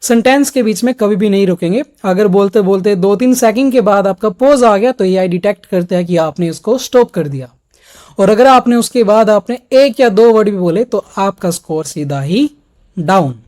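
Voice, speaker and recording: In an instructional video lesson, a man coaches students for an exam, explaining every step directly to the viewer. His voice sits high with a darkish tone, and he speaks at a moderate pace.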